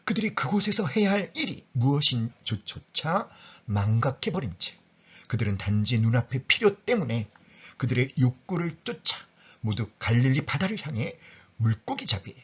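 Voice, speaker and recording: Husky-voiced man preaching a sermon. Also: medium pitch, very animated, moderate pace, a bit bright, highs cut off. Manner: rhetorical questions, dropping to a whisper for emphasis. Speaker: pastor.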